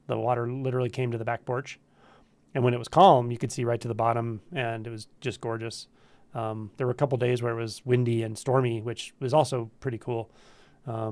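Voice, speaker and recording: A man with a cold and a stuffy voice, hosting a casual live Q&A stream, greeting viewers in a relaxed, friendly way with frequent ums. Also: medium pitch, no echo. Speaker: spiritual teacher hosting a live Q&A. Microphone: camera livestream setup.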